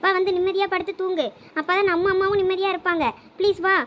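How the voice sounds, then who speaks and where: A woman's voice: very high-pitched, level tone, fast talker, fairly bright tone, a little hiss or hum. A woman playing a caring but bossy younger sister who scolds and coaxes, in a village drama skit. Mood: scolding. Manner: scolding, coaxing.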